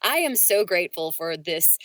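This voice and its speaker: Woman, lowish pitch, gushing, emphatic, casual interview chat, voice actress. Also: big pitch swings, normal speed, a crowd in the background. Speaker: voice actress, podcast cast member.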